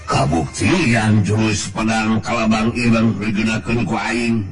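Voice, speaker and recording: A man voicing a coarse, arrogant martial-arts villain in a folktale, with a Sundanese accent, brooding and boasting. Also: fairly low pitch. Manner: groaning, muttered inner monologue and boastful threats. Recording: loud music under the voice.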